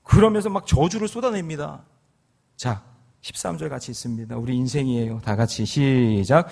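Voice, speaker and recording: A man's voice: medium pitch, normal speed, vocal fry. A middle-aged male pastor preaching a sermon, telling stories and joking with the congregation. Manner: animated storytelling, joking with the congregation.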